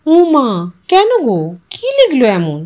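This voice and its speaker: A woman voicing a sensible young wife who coaxes and gently teases her husband. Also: high-pitched, huge pitch swings, a little slow, exaggerated voice. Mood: teasing. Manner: coaxing, light teasing.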